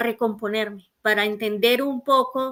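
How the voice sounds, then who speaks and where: In a Colombian accent, a woman speaks at a fairly slow pace with lively intonation. Her tone is bright and sharp. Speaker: researcher and author. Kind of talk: radio interview.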